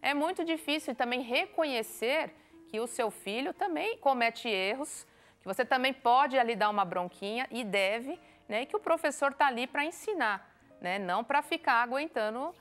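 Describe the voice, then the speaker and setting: A woman teacher talking on a studio show, with a voice a little higher than most. She tells classroom stories with animated energy and slips into the voices of children and parents. Faint music runs underneath. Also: moderate pace. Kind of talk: studio talk show conversation.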